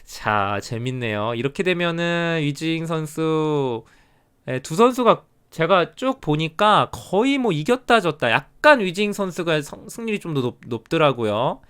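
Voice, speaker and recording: Smooth-voiced man commentating a Go game. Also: a little high, very animated, a little slow, fairly bright tone. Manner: counts territory under his breath, then exclaims at turns.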